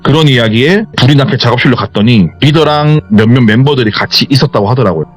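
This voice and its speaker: A man's voice: mid-range voice, fast, soft background music. A man hosting a horror radio show, retelling a viewer's ghost story in a chatty way. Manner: lively, chatty storytelling with hearsay endings.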